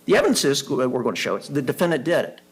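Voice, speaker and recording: A man's voice: medium pitch, very animated, quick pace, breathy edge. A man speaking as a prosecutor to a jury, making an opening statement in emphatic, repeated phrases. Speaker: prosecuting attorney.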